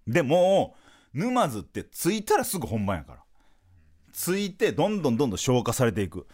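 A man's voice: medium pitch, brisk. A man with a Kansai accent, hosting a podcast and telling a comic story with lots of acted-out quotes. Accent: Kansai Japanese. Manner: animated, lively storytelling with voiced-out quotes. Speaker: podcast host, comedian.

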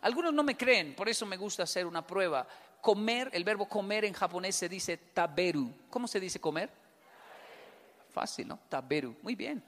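A man from Colombia gives a stand-up comedy monologue in a high voice. He jokes along, chuckles at his own punchlines and slips into other people's voices. His voice rings out with a long reverb, as if on stage in a large hall. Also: lively intonation, normal speed, a bit bright. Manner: jokey, acts out quoted voices, laughs at his own lines.

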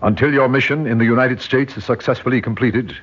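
A man's voice: mid-range voice, steady tone, fast talker, fairly bright tone, slightly rough. An actor playing a stern, commanding male spy instructor who speaks in a curt, formal, clipped way, in a 1960s radio drama. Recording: dull lo-fi old radio recording.

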